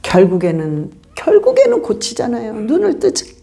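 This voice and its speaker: High, lively-voiced woman preaching. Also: normal speed, gravelly. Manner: emphatic preaching with rhetorical questions. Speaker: pastor. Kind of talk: sermon.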